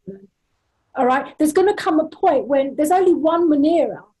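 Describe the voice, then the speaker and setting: This woman speaks with a London accent. Her intonation is lively. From London, England. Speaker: burnout coach. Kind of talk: interview. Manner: stutters and slurs when tired.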